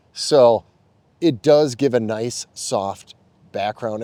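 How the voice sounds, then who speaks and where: A man with a Wisconsin accent speaking fairly slowly at medium pitch, with a dark, mellow tone, ordinary pitch variation and a dry, close sound with no echo. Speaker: photography youtuber. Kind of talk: casual vlog tutorial. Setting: outdoors in a cemetery.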